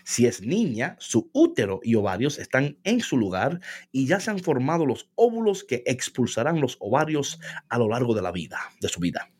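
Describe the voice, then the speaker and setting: With big swings in pitch, this mid-range, husky, slightly mellow male voice moves at a moderate pace. He's a co-host in a laid-back chat, reading a text aloud, joking about the words, laughing frequently and dropping English into his Spanish.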